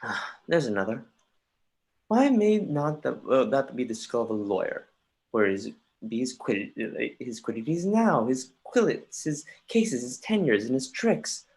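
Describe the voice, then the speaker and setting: A woman's voice: a bass voice, big pitch swings, a little slow, a little mellow, slightly rough, heavily acted. A brooding young prince, acted by a woman in a Shakespeare play reading. The delivery is musing and sardonic, witty, and built on rhetorical questions.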